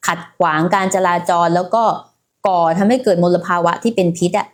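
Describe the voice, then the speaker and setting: A woman's voice: fairly low pitch, fairly even intonation, brisk. A woman hosting a casual health livestream, talking in a chatty way and speaking straight to her viewers. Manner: chatty, many fillers, addresses viewers directly.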